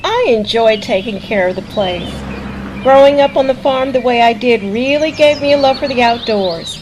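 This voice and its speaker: A high female voice of an actress plays a friendly, house-proud woman in an audio drama. She is chatty and polite, with noisy birdsong ambience behind her. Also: moderate pace, natural voice.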